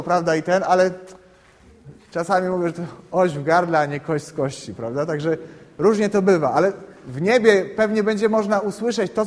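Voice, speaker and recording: A man explaining scripture to a group in a conversational, halting way, often checking in with the listeners and repeating words while he thinks. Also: sits high, darkish tone. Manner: conversational, keeps asking "right?" to check understanding. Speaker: Bible teacher. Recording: long reverb in a hall.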